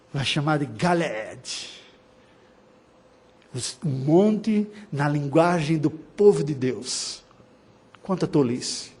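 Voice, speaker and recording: A man from Brazil preaching with a notably high voice, driving his points home with emphasis. He mixes ironic asides and brief chuckles into a steady expository sermon. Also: breathy edge. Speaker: pastor.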